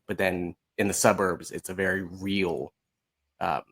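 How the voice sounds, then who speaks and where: Man, thirties, American accent, fairly low voice, casual interview guest, informal, reflective. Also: fairly even intonation, a little slow, a bit bright. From Las Vegas, United States. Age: 30s. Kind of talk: casual chat.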